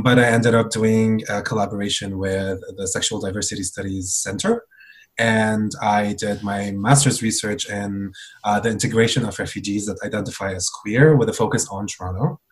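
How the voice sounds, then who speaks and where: A man in his twenties from Lebanon, a podcast guest on a video call, earnest and friendly with plenty of ums. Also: fairly low pitch. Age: 20s. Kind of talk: interview answers.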